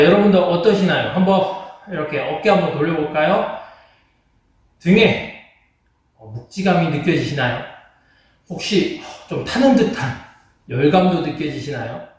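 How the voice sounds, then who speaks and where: A man's voice: a little high, animated, unhurried. A man instructing an exercise class, explaining politely and encouragingly and checking in with those following along. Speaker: home training fitness instructor. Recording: very echoey room, distant from mic.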